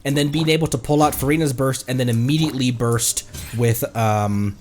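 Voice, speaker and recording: A man's voice: mid-range voice, fairly even intonation, a little fast, a little mellow, a little hiss or hum. A man giving casual, rambling live game commentary and chatting playfully with viewers. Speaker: game streamer, VTuber.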